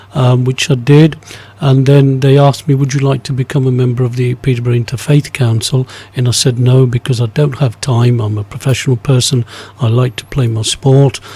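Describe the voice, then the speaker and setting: Over noticeable background noise, a man speaks at a medium pitch. His intonation is flat and monotone, his pace fairly quick. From England, Birmingham and Manchester (born in Amritsar, India). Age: 60s. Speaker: interfaith council chair. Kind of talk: radio interview. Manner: hesitant, many repetitions.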